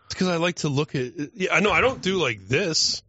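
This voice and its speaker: A man's voice: on the high side, lively intonation, fairly quick, pushed and bright, breathy edge, no echo. A man co-hosting a podcast in casual chat, blunt and profane. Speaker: podcast co-host. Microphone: close podcast microphone, often spoken into off-axis. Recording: dull close-miked podcast audio.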